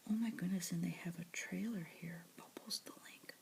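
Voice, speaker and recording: Woman, close-mic ASMR whisperer reading news aloud, low, gravelly, faint hiss behind. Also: steady tone, normal speed. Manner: soft whisper with asides.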